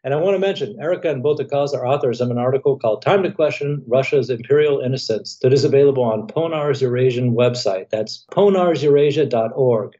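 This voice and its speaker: A man hosting a current affairs podcast, reading a formal, measured introduction of his guests. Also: mid-range voice, mellow, highs cut off. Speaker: podcast host. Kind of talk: scripted show introduction.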